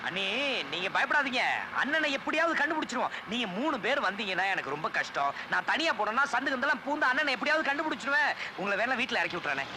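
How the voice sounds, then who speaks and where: An actor playing a cheeky, quick-witted young man in a comic film scene. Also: very high voice, very animated, background noise. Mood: reassuring. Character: cheeky young man who jokes about drinking. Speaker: film hero.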